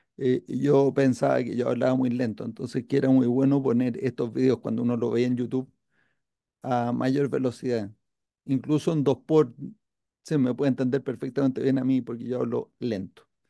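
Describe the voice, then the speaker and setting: A man's dark, mellow voice at medium pitch with fairly even intonation. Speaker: management consultant and instructor. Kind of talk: live Q&A session. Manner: slow; measured, unhurried.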